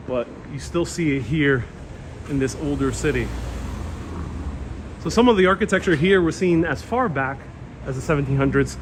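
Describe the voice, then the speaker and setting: Walking a town street as traffic goes by, a livestream host leads a relaxed tour and talks with his viewers through a phone-mounted mic. Born in Puerto Rico and raised in New York, he speaks Spanish as his first language and has a Queens Hispanic accent. His voice is medium-pitched, and the outdoor recording is noisy.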